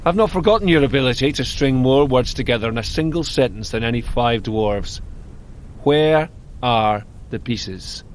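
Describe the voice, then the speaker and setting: An actor playing a vengeful, shrewd dwarf chieftain in an audio drama, gruff, sarcastic and used to command. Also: male voice, mid-range voice, expressive, normal speed, a little hiss or hum, close to an everyday voice. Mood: grudging, sardonic.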